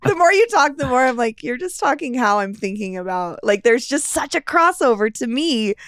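A woman's voice: fairly high pitch, big pitch swings, normal speed, a bit bright, no room sound, studio quality. A woman hosting a local podcast, chatting enthusiastically with a guest. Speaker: podcast host. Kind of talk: conversational interview.

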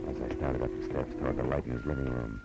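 A hard-boiled private eye with a very deep voice. He is dry, wry and clipped in the manner of 1940s radio noir. It is an old radio recording with music behind it. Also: steady tone, quick pace. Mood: wry, narrating. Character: hard-boiled, wry male private detective narrating his case. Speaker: lead actor and narrator.

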